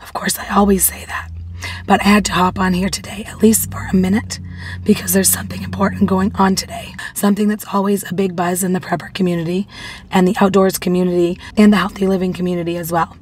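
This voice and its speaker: A woman's voice: little pitch movement, quick pace, slight background noise. A woman in her forties who has lost her voice, whispering a vlog to camera from inside a parked car. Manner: breathy whisper, friendly pitch to viewers. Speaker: prepping vlogger. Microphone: phone camera at arm's length.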